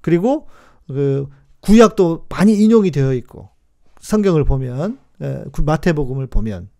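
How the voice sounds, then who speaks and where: Gravelly-voiced man pastor teaching on a live stream. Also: on the high side, animated, moderate pace, warm tone. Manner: chatty and emphatic, repeats key words and reads viewer comments.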